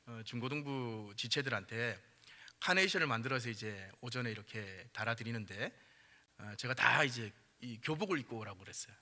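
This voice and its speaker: A middle-aged man preaching a sermon in a chatty style with many fillers, growing louder and higher when he stresses a point. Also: long reverb tail. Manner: conversational, frequent fillers, rises in pitch and volume when emphasizing. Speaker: pastor.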